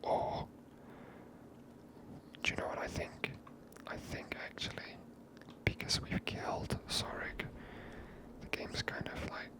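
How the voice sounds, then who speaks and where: A game streamer speaks entirely in a whisper, giving ASMR commentary on play. The delivery is hushed and breathy, with the voice barely sounding at all. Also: slow pace, rough recording.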